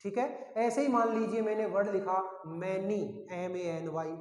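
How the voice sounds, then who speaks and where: A man's voice: high voice, moderate pace, darkish tone. A male teacher giving a grammar lesson, asking questions and answering them himself, repeating key words. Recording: echoey room with long reverb.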